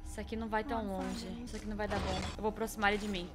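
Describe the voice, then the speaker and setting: A young Brazilian woman playing a horror game, jumping between hushed muttering and dramatic shrieks as she talks to her viewers and to the game. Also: medium pitch, level tone, racing, over music. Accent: Brazilian Portuguese. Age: young adult. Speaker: gaming video host. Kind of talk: excited let's-play commentary.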